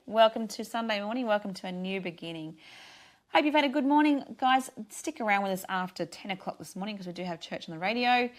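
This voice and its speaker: A tired woman presenting on Christian radio, losing her voice and speaking earnestly with frequent restarts. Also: medium pitch. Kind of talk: casual devotional radio talk.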